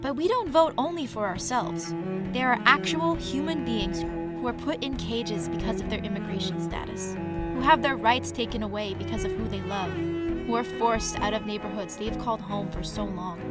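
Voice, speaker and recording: A woman's voice: on the high side, expressive, moderate pace, long pauses. A woman delivering a scripted spoken-word call to action in a reader's theater style. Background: loud bowed string music, cello.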